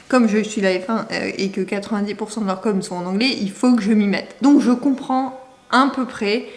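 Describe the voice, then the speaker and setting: A woman's voice: medium pitch, reverberant. A young French woman with a French accent, rambling through a casual book vlog with lots of fillers and restarts. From France. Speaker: book vlogger.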